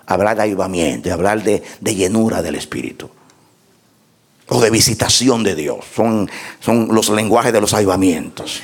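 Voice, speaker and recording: A man's voice: on the low side, husky. A man preaching a sermon, telling stories with passion and repeating words for emphasis. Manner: impassioned, repetitive storytelling preaching.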